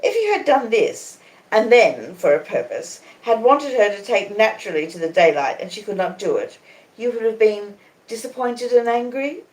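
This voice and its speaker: A woman voicing a proud, cool young lady in a storybook reading, calmly defiant, with measured and emphatic reasoning. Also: fairly high pitch, pitched above the performer's own voice. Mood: cool insistence. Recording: echoey conservatory.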